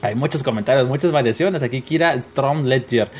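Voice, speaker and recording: A man's voice: medium pitch, brisk, a little mellow, a little hiss or hum. Profane Mexican man reading comments. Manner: profane, joking, reads comments aloud with laughs. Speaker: gaming youtuber reading comments. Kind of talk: casual screen-reading commentary.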